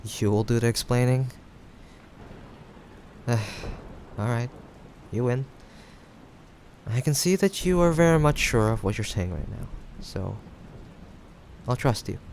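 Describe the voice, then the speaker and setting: A young man playing an affectionate, teasing male friend who is a bit awkward, speaking haltingly in an intimate roleplay addressed to the listener. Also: medium pitch. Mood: hesitant, resigned. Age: young adult. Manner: halting, hesitant, with sighs and soft chuckles. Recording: steady background noise, rain ambience. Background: rain sound effects.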